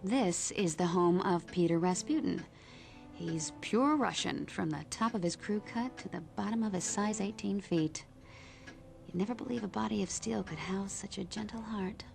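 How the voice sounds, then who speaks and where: An actress voicing a calm adult heroine who leads a newcomer on a tour of her team's home in a video game. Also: medium pitch, moderate pace, creaky, faint music behind. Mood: welcoming. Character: calm adult woman mutant team guide. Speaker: game character giving a house tour.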